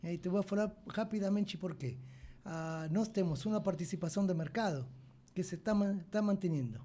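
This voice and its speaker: Argentine accent guy on a podcast, kinda high voice but mellow, lots of pauses hunting for words. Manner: halting, searching for words, frequent pauses. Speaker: brewery owner guest. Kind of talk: podcast interview.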